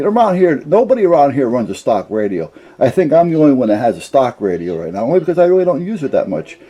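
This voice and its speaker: An older man with a deeply mellow, dark timbre and an average-pitched voice. He explains technical hobby matters casually and without a script. His delivery is folksy and plain-spoken, rambling from point to point. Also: slightly rough. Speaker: CB radio hobbyist explaining gear.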